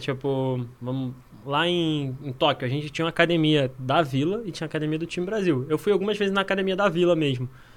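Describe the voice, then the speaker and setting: A man with a fairly high pitch speaks at a very fast pace, with ordinary pitch variation and hardly any pauses. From Maricá, Rio de Janeiro state, Brazil. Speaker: archery athlete. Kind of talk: casual interview chat. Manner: relaxed, easygoing.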